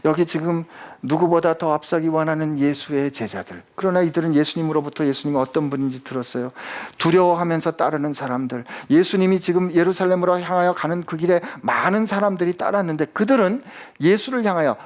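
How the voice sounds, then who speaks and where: A man's voice: on the high side, brisk, hardly any pauses. A male pastor preaching a sermon in a conversational way, with frequent asides to the congregation.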